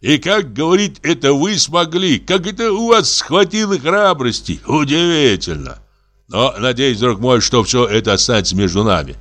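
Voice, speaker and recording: A man's voice: medium pitch, big pitch swings, normal speed, a bit bright. A man voicing a stern, pompous old general who talks in a lofty, formal way. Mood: amused, lofty.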